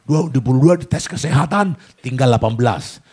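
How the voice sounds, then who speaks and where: A man's voice: mid-range voice, lively intonation, normal speed, darkish tone, slightly rough. A male pastor preaching a sermon in a church, telling stories dramatically and acting out the people in them.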